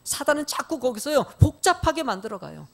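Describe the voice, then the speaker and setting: A man's voice: very high voice, sing-song, fairly quick, creaky, fairly bright tone. A middle-aged male pastor preaching a sermon, questioning the congregation directly and telling folksy, lightly humorous stories.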